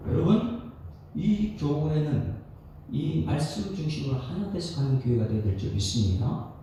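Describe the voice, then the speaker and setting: Animated pastor preaching in an echoey hall. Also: male voice, medium pitch. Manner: animated preaching with questions to the congregation. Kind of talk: expository sermon at a dawn prayer service. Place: church sanctuary. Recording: echoey hall, distant mic, faint noise.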